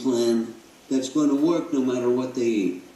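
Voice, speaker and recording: Medium-pitched male speech in an echoing room. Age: 80s+. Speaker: diabetes doctor. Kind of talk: teleseminar Q&A. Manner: halting, many fillers.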